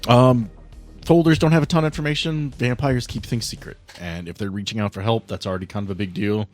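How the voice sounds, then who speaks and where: A man's voice: on the low side, steady tone, quick pace, faint music behind. A man acting as game master of a tabletop game, explaining things in a casual, conversational way.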